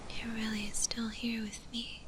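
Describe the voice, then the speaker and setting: A woman voicing a gentle, lonely stitched-together zombie girl in a whispered ASMR roleplay, with a soft breathy voice and tender, hesitant delivery. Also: on the high side, completely flat delivery, background noise, natural voice. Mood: wistful, tender. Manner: slow, hesitant, tender delivery with long pauses.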